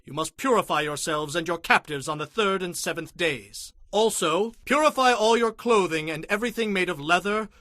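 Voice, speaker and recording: A man's voice: high-pitched, normal speed, few pauses, pushed and bright, dry recording, clean studio sound. An actor playing a stern, commanding male prophet and lawgiver in a dramatized audio Bible, speaking with declamatory authority. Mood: angry, commanding.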